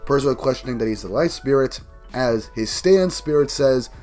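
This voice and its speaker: A man fighting off a cold talks through a manga chapter, his voice a bit groggy and tired. He rambles eagerly and restarts his sentences as he goes. His pitch sits in the middle, and soft music plays quietly underneath. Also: expressive, normal speed. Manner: enthusiastic, rambling recap with restarts. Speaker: manga review YouTuber. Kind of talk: casual manga chapter review.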